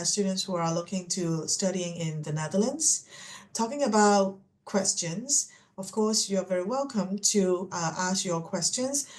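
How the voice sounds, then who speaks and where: A woman's voice: medium pitch, a little mellow. Middle-aged woman from Hong Kong hosting a webinar. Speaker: webinar host and MBA admissions manager. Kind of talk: presenting a webinar, semi-scripted.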